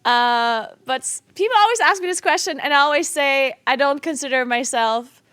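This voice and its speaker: A woman with a high voice and a South Tyrolean accent, speaking English as a second language. She chats casually as a game streamer, in a giggly manner. The sound is dry, with very little room echo. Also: normal speed, bright, forceful tone. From South Tyrol, Italy. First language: not English. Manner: giggly, laughs often while talking. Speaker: game streamer and esports caster. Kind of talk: casual livestream chat.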